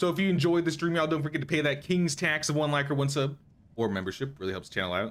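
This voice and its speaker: A man with an American accent talks at a very fast pace with lively intonation and a fairly high pitch. The recording is very clean, with a silent background. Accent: interesting accent, per chat viewer. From Northern California (Central Valley/Bay Area). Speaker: gaming streamer. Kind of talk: casual live-stream chat with gameplay commentary.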